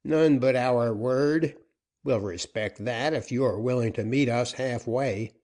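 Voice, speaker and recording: A man voicing a commanding outlaw captain in a storybook reading, loud and forceful. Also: medium pitch, a little slow, natural voice.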